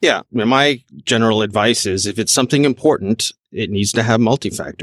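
A man with an American accent uses a plain, everyday voice at a medium pitch, with ordinary pitch variation and a fairly quick pace. The sound is dry and close, with no echo. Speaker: podcast guest, security journalist. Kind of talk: casual chat.

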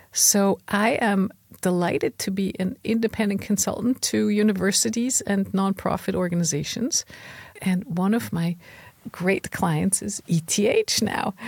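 Somewhat breathy and at medium pitch, a woman speaks at a fairly slow pace with ordinary pitch variation. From Switzerland (Zurich). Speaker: consultant and former foundation president. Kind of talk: interview.

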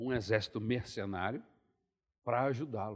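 Speaking at a fairly slow pace, a man with a medium pitch keeps his intonation fairly even. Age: 60s. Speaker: preacher. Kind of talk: sermon.

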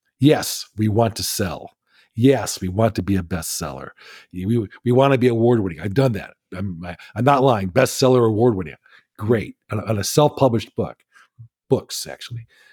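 On a very clean recording with a silent background, a man with a plain, everyday voice and an American accent speaks at medium pitch and a moderate pace with ordinary pitch variation. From US Midwest, Waterloo, Iowa. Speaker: author. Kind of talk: casual interview conversation.

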